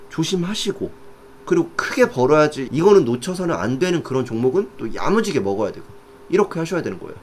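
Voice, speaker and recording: A man's voice: on the high side, a little hiss or hum. A man teaching stock trading in a casual explanatory style, often checking that listeners follow along. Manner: animated, often asks "아시겠죠?" to check understanding.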